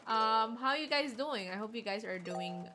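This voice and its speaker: A woman livestream host chatting casually in a rambling, hesitant way with halting sentences. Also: on the high side, animated, noisy background. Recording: music playing behind the voice. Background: clear background music.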